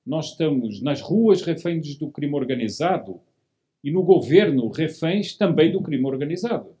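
Speaking at normal speed from a hall podium, a middle-aged man addresses a monarchist meeting with a formal political speech, posing rhetorical questions and hammering words through repetition. His warm, expressive voice sits on the high side.

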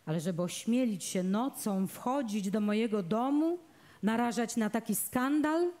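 Brief: woman voicing a haughty young lady scolding, slow and dark-toned. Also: fairly high pitch, expressive. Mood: indignant. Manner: indignant, reproachful. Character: proud young lady, indignant and theatrical.

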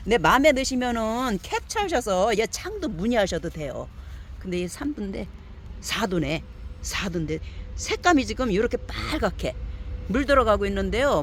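A woman's voice: lowish voice, a little hiss or hum. A woman selling succulent pots, chatting casually as she shows and measures them for viewers with a coaxing, repetitive manner. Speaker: succulent pot seller. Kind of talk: casual product showcase.

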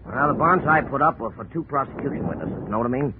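A man's voice: mid-range voice, expressive, fast talker, natural voice. An actor playing a brash, pushy male bail bondsman in 1940s radio style, punchily checking that the listener follows. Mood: pushy, confiding. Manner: punchy, keeps tagging sentences with check-in questions. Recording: dull, noisy 1940s radio recording.

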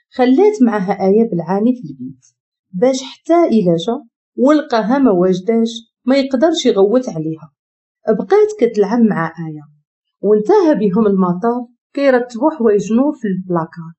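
A woman with a Moroccan accent narrating a dramatic story in an expressive, emotive way. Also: a little high, dull audio.

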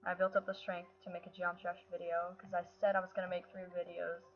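A woman's voice: on the low side, monotone, fast talker, slight background noise. Sick-sounding woman on a dull built-in mic. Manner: frustrated, self-talking while playing. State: sick, voice affected. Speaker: gaming channel host. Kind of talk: casual game commentary. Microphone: built-in mic, no headset.

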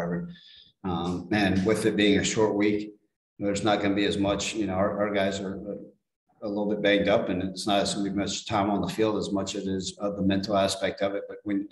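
A man's voice: deep voice, echoey room, low-quality recording. A middle-aged man, a head football coach, answering questions at a post-game press conference in a plain-spoken way, often repeating words as he restarts.

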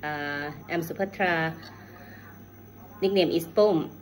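A middle-aged woman with a Thai accent records an informal video message on her phone at home. Her voice is low, and she speaks extremely slowly, hesitating as she hunts for words in learner's English. Clear background noise runs behind her. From Thailand. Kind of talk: unscripted spoken video message. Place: room at home, indoors. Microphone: phone at arm's length.

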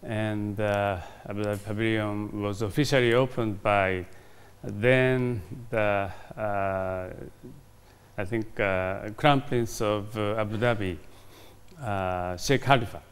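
A man's voice: fairly low pitch, steady tone, takes it slowly, smooth. A man, a diplomat giving a formal interview, with many hesitations and fillers. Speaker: ambassador interviewed. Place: formal reception room, indoors. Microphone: lapel mic.

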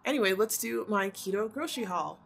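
Her voice is mid-range, fairly quick and gravelly, with background noise. She's a vlogger in her thirties from Canada, giving strong, emphatic opinions in a casual grocery haul recorded on a handheld camera at arm's length in her small living room.

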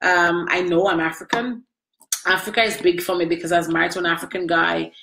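Gravelly and sharp-toned, this middle-aged woman's lower voice moves a little fast with fairly even intonation, over a little hiss or hum. She's sniffly after crying and hosts a casual livestream from a small, echoey room at home, chatting emotionally with viewers by name on a close-range webcam.

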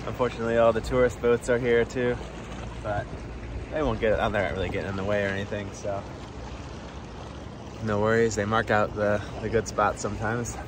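A man's voice: fairly low pitch, steady tone, a little fast, pauses often. A man in his thirties chatting casually and easily, like a solo sailing vlogger filming himself outdoors on his boat. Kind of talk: casual vlog narration. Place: outdoors on a small sailboat at sea. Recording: noisy boat outdoors, engine and water. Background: boat and water noise.

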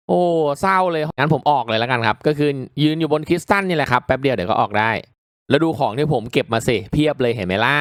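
A man giving casual, reactive commentary as he hosts a mobile game playthrough, chatting politely to viewers with excitable exclamations. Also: mid-range voice, dry recording, studio quality. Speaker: gaming video host.

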